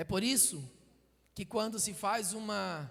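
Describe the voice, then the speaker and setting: A man with a Florianópolis accent speaks in a high voice. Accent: manezinho (Florianópolis). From Florianópolis, Santa Catarina, Brazil. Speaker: preacher. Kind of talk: sermon.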